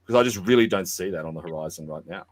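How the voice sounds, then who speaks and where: An Australian man arguing forcefully and sardonically in a podcast debate, often repeating words as he goes. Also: deep voice, racing. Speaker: debate guest.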